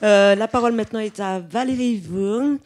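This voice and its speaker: Woman moderator, mid pitch, formal measured speaker introductions. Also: background noise. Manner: measured, reads titles aloud. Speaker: roundtable moderator. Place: conference room.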